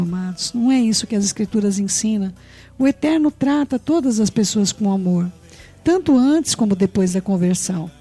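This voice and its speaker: Brazilian woman preacher, Brazilian Portuguese accent, mid-pitched, earnest sermon delivery with frequent rhetorical check-ins. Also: mellow. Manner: earnest, tags phrases with rhetorical questions, addresses listeners fondly.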